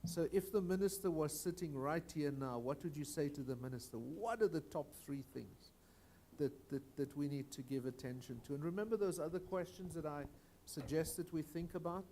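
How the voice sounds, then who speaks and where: A man's voice: fairly high pitch, moderate pace, dark tone, a little hiss or hum. A man chairing a conference panel, introducing speakers and posing questions, often repeating words as he begins sentences.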